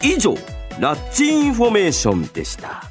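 A man with a high voice and normal speaking speed hosts a radio show against background music. Animated and polite with a playful streak, he moves back and forth between banter and announcements.

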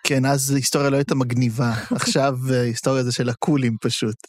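A man's voice: medium pitch, little pitch movement, no echo, studio quality. A young man co-hosting a casual book-discussion podcast, talking animatedly and reading passages aloud with emphasis. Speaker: podcast co-host.

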